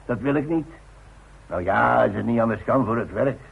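Old retired dad in a radio play, proud n stubborn, creaky voice, tinny phone-like sound. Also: male voice, medium pitch. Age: older. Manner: hesitant, halting, repeats words. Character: proud, stubborn retired chimney climber, gruff but tender father. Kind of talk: naturalistic Dutch radio play acting.

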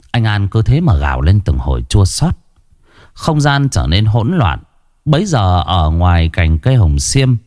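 A man narrating a horror story in a dramatic, expressive storytelling style. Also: lowish voice, dry recording, clean studio sound.

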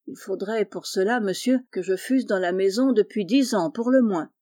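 A woman's voice: medium pitch, normal speed, mellow, no echo, studio quality, natural voice. A woman reading aloud, voicing a poor young café waiter who answers timidly and humbly. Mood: humble.

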